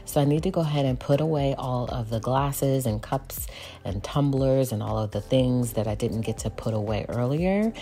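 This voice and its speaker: Low-voiced woman chatting through her kitchen routine. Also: moderate pace. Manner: chatty, relaxed, homey. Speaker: lifestyle vlogger. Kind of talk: casual cook and clean narration. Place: home kitchen. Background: soft background music.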